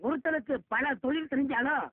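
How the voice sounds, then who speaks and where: A man's voice: very high voice, fairly even intonation, a little fast, no room sound. A man in a film comedy scene, talking as an agreeable, pleading sidekick. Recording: tinny lo-fi film audio.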